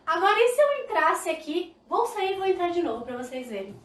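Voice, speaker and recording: Uma mulher com sotaque brasileiro, dando uma aula online ao vivo de língua de sinais, animada e demonstrativa, falando direto com os espectadores. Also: female voice, extremely high pitch, a little fast, roomy sound, recorded from a distance. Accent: Brazilian Portuguese. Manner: lively, demonstrative, talks to viewers directly. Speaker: sign language teacher. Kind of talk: live online lesson. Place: indoor room, live stream.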